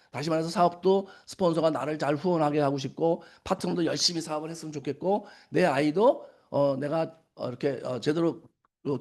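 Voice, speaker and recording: Fast, high-voiced man lecturing a crowd. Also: darkish tone. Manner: asks the audience questions and answers them himself; acts out quoted scolding lines. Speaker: business seminar speaker. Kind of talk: lecture to an audience.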